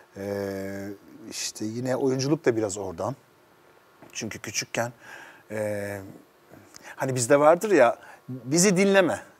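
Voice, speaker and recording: Pausing long and often, a man speaks at a very slow pace with lively intonation and big swings in loudness. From Gaziantep, Turkey. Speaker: actor and writer. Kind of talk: casual chat. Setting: studio. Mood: reflective, nostalgic. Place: studio. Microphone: lapel.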